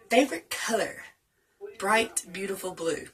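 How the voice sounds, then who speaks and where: A woman's voice: medium pitch, a bit bright, poor audio. A woman in her late thirties with a Southern US accent, chatting casually and laughing often while answering tag questions. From North Carolina. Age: 30s. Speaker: vlogger.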